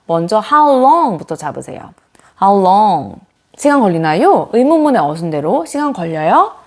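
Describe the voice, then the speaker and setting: A woman teaching an English lesson in Korean, encouraging learners and repeating drill sentences slowly. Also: mid-range voice, darkish tone.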